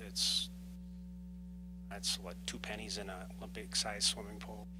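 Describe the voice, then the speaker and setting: This man has a very deep, low pitch and a bright, sharp tone, and he is soft-spoken. He talks at a moderate pace, with audible room echo. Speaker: environmental consultant. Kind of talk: technical presentation. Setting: city council meeting. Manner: halting. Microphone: too quiet for TV audience.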